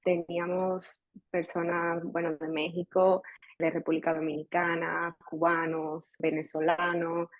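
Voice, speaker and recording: A woman's voice: lowish voice, completely flat delivery, unhurried, no room sound, dull audio. A young Spanish woman from Seville, with an Andalusian accent, chatting as a dentist guest on a podcast and mixing English words into her Spanish. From Spain. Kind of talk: casual podcast interview.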